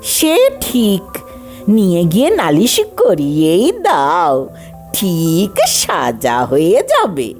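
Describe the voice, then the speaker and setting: A woman's voice: lowish voice, wildly swooping pitch, drawn-out words, darkish tone, soft background music, full character voice. A woman voicing an emphatic village housewife in a dramatised story, scolding and drawling her words. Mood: conniving agreement. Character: village housewife, scolding yet easily persuaded.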